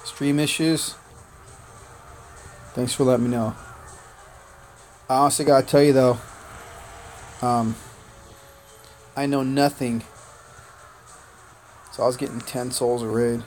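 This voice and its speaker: A man born in Korea whose first language was Korean, chatting casually on a game livestream, thanking viewers by name and filling pauses with "uh" and "man". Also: mid-range voice, fairly even intonation, a little mellow, faint music behind. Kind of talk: casual gaming livestream chat.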